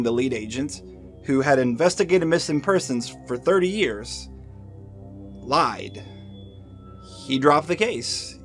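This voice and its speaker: An actor playing a weary, haunted senior FBI agent in an audio drama, speaking in a grave, halting, pleading way. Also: male voice, on the high side, close to an everyday voice.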